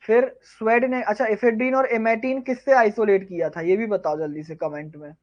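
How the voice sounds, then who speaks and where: A man's voice: high-pitched, steady tone, muffled recording. Man quizzing students in a live class. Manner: quizzes viewers, then answers his own questions; slows down to dictate key terms. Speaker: pharmacognosy tutor. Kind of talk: live online revision lecture.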